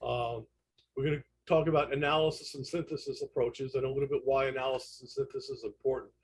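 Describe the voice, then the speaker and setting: A man presents an online lecture in a Brooklyn accent. His voice is husky and mid-pitched. He explains methodically, often pausing and correcting his phrasing. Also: steady tone. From United States, New York. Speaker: presenter, instructor in intelligence analysis. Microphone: internet call audio.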